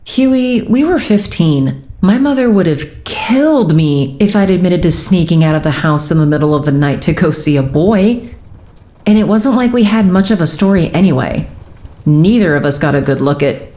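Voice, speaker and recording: A woman's voice: on the low side, expressive, moderate pace, warm tone. An actress playing a wry grown woman vividly recounting a teenage adventure in an audio drama. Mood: defensive. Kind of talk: dramatic first-person narration in audio drama. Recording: music bed behind voice.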